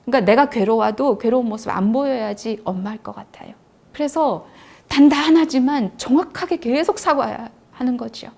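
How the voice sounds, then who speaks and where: A woman hosting a counseling talk, explaining in a firm, measured way and dropping to a near whisper at times. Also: fairly high pitch, gravelly, darkish tone. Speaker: counselor and channel host. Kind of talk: advice talk on parenting.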